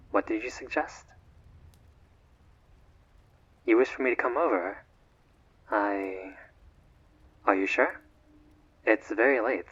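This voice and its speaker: Man as a husky, genteel vampire. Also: lowish voice, fairly bright tone, highs cut off. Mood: hesitant, surprised. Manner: formal, measured, slightly haughty diction with sighs. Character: bored, courteous immortal male vampire, genteel and old-fashioned. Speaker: voice actor in a roleplay audio. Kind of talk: scripted roleplay audio drama, one side of a phone call.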